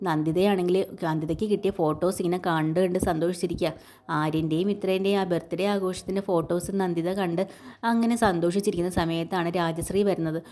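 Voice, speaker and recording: A woman's voice: on the low side, steady tone, fast talker, mellow, a little hiss or hum. A woman casually retelling a TV serial episode in a chatty way, often ending sentences with a tag that asks the listener to take note. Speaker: serial recap narrator.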